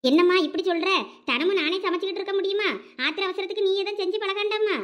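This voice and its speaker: Nag hard as a village cartoon mother-in-law, voice actor, Thoothukudi Tamil, high and quick. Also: fairly even intonation, fairly bright tone. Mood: scolding. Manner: scolding, nagging.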